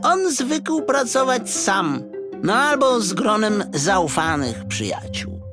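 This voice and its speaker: Storybook rat sidekick: squeaky, cocky, excitable, swooping pitch. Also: male voice, takes it slowly, music in the background, heavily acted. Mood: cheeky. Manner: cheeky, stammering when flustered. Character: boastful, jittery talking male rat sidekick.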